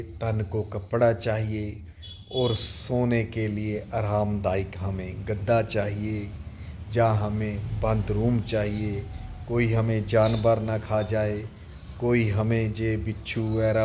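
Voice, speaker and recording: A man giving a slow, deliberate spiritual talk on meditation, addressing listeners directly with long pauses. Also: lowish voice, flat delivery, darkish tone, a little hiss or hum. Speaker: spiritual teacher.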